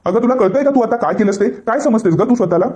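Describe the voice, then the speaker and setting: A man's voice: sits high, expressive, fast talker. A man voicing a furious young husband. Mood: angry. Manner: accusing, shouting. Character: angry young husband, defensive son.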